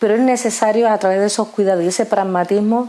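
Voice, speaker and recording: Talking at a very fast pace, a woman has an Andalusian accent. Her tone is dark and mellow. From Andalusia, Seville. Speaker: politician, nurse and trade unionist. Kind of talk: interview. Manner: halting, with fillers and restarts.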